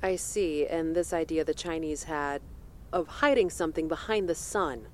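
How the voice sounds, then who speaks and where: A woman's voice: low-pitched, a little hiss or hum, close to an everyday voice. A woman playing a cool, probing senator. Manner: measured, probing questions. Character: cool, secretive female senator interrogator. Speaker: senator questioning a witness.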